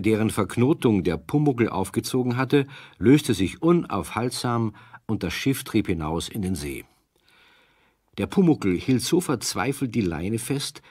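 Low, husky male storyteller. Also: dry recording, studio quality. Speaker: narrator. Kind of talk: scripted children's story narration.

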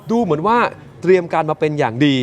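Man, news presenter, animated storytelling, slightly high voice. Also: quick pace, a little hiss or hum. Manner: animated, chatty, addresses viewers directly. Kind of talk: lively morning news storytelling.

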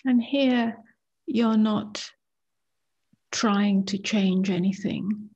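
A woman meditation teacher guiding a practice in a soft, hushed voice that often nears a whisper, with short unhurried phrases. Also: mid-range voice, steady tone, creaky, breathy edge, lo-fi sound. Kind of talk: guided meditation, slow and gentle with long pauses.

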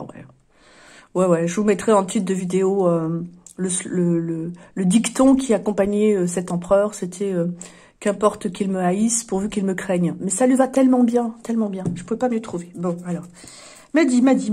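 A woman reading tarot cards in a casual, chatty vlog, talking emphatically, repeating words for stress and often clearing her throat. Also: medium pitch, a little mellow. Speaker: tarot card reader.

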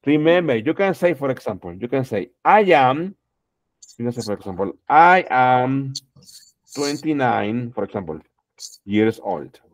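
A man's voice: mid-range voice, very animated, measured pace, no room sound. A middle-aged man teaching English online, correcting students patiently and repeating "okay" through a headset. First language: Spanish. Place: home room, indoors.

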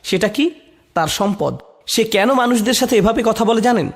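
A man's voice: high voice, lively intonation, normal speed, in a large hall. A man giving a dubbed religious lecture, explaining Arabic words and asking his listeners rhetorical questions. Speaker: Bangla dubbing voice for a Quran lecture.

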